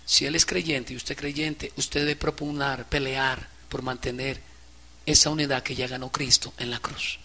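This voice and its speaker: Pastor guy preaching, bright sharp voice, gets loud then drops quiet. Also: mid-range voice, flat delivery, measured pace, vocal fry. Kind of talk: sermon.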